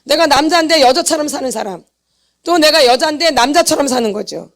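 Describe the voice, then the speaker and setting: A woman with a high voice preaches at a church seminar. She repeats each point with force and throws short questions back to the congregation, then answers them herself. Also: animated, fairly quick. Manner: emphatic, repeats points and quizzes the audience for answers. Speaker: pastor's wife teaching a healing seminar. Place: church meeting hall.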